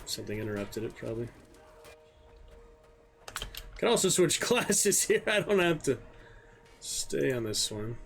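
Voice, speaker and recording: A man giving casual, low-key gameplay commentary, musing to himself over game sounds. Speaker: gamer commentating own gameplay. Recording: clear game noise behind voice. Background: video game sounds.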